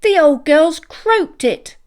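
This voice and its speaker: A grumpy old storybook badger, put on by a woman, blunt and exasperated. He grumbles and exclaims with big swings in pitch. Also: animated, takes it slowly, darkish tone. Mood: frustrated.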